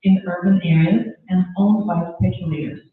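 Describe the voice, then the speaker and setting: Man, high voice, formal moderator, reading aloud, far from mic, heavy echo. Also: steady tone, moderate pace. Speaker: debate moderator. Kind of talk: formal read-out questions. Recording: echoey room, far tinny mic.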